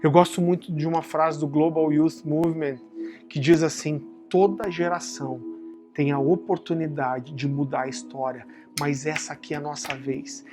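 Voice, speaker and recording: Brazilian preacher telling stories over soft music. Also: male voice, moderate pace. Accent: Brazilian Portuguese. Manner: animated storytelling, calling listeners brother; drops low and soft for solemn points. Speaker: pastor. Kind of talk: sermon.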